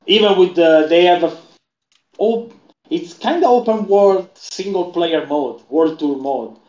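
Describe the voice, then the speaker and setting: A man with a slightly raised voice, chatting loosely and often restarting his sentences. His voice carries a clear echo from the room, and the audio sounds dull and lo-fi. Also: high voice, a little slow, a little mellow. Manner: rambling, with frequent restarts. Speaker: podcast co-host. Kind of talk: casual gaming chat.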